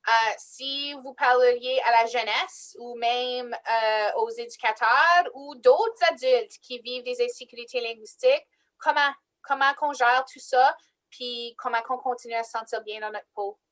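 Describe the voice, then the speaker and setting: A woman leads a casual panel talk in a fairly high voice. She presses her points hard and repeats the phrases she wants to land. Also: unhurried. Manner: animated, emphatic, repeats key phrases. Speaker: panel moderator.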